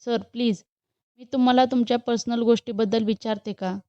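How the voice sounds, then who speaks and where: A woman's voice: fairly high pitch, fairly even intonation, brisk, mellow, no room sound, highs cut off, natural voice. A woman voicing a guarded young employee. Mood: polite, firm. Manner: polite, formal, addressing him as sir. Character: young female employee, polite but guarded.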